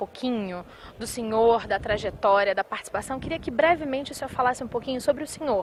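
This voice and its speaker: A woman with a high pitch talks at a fairly quick pace with lively intonation, noticeable background noise behind her. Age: young. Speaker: TV interviewer. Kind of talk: interview. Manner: formal.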